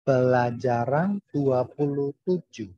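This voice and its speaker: A man recites language-drill sentences extremely slowly and carefully, as a student would. His voice is husky, and it comes through an online call with a dull, muffled sound. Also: medium pitch, warm tone, dry recording.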